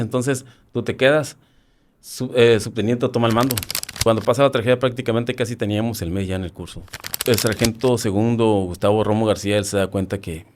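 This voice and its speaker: Man, 50s, Mexican accent, low voice, former soldier, halting personal testimony, repeats words. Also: background noise. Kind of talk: personal war-story testimony.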